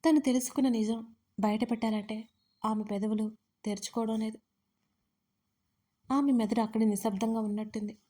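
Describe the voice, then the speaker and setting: A woman narrates a dramatic audio story with a steady, measured reading. Her voice sits on the higher side, with a mellow, dark warmth.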